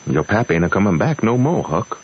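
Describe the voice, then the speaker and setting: A man's voice: on the low side, big pitch swings, fairly quick, slightly rough, muffled recording, full character voice. A man acting a kindly, steadfast, folksy Southern runaway in a radio drama. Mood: earnest, kindly. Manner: folksy, earnest.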